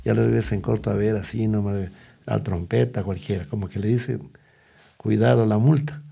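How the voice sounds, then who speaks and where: A man's voice: lowish voice, steady tone, a little fast, creaky, warm tone, slightly rough. A middle-aged man, telling stories as an interview guest, rambling with many restarts. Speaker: guest musician. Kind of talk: storytelling interview.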